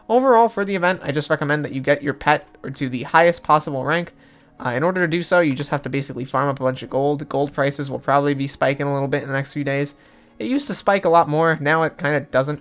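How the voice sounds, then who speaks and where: A man who makes gaming videos, talking in a chatty, casual way that swings quickly into excited disbelief. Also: a little high. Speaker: gaming YouTuber.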